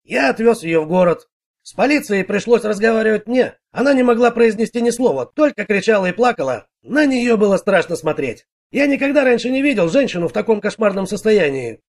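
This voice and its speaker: A man voicing an irritable middle-aged bricklayer who answers the police in a gruff, defensive way. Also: high voice, very animated, fairly quick, heavily acted. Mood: recounting.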